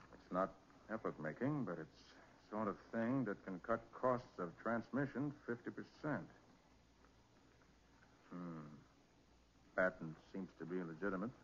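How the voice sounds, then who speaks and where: An actor playing a shrewd, authoritative American detective in a 1940s radio crime drama, speaking briskly and deliberately. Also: male voice, on the low side, a little hiss or hum. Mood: studious. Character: shrewd, composed male master detective leading a murder case. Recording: muffled old 1940s radio recording.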